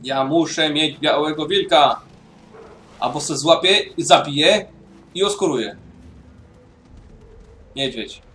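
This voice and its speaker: Slow, mumbling Polish gamer man. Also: a little high, fairly bright tone, far from the mic, a little hiss or hum. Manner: mumbling to himself while playing; casual, swears freely. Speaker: gaming YouTuber. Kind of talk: casual let's-play commentary.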